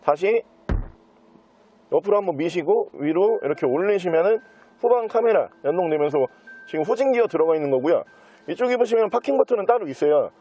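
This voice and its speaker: Man, high voice, smooth used-car salesman patter, walkthrough presentation, soft mellow timbre, dull muffled recording. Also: expressive, fairly quick, a little hiss or hum.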